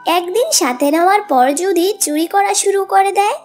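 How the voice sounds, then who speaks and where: A woman's voice: extremely high pitch, moderate pace, darkish tone, soft background music. A woman voicing an outspoken, opinionated parrot in a children's cartoon, given to chiding. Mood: brisk, suspicious. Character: outspoken, moralizing parrot neighbour.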